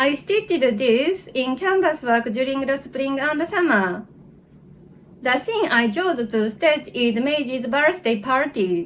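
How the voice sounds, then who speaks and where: A woman's high-pitched voice at a very slow pace, full of very wide pitch swings, over noticeable background noise. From Japan, Kobe. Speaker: embroidery artist. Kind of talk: show-and-tell monologue.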